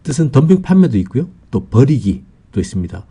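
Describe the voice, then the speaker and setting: Husky, dark-voiced man teaching vocabulary. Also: medium pitch, very animated. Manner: slow and patient, many "어" fillers, lists meanings one by one. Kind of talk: explanatory lesson, unscripted.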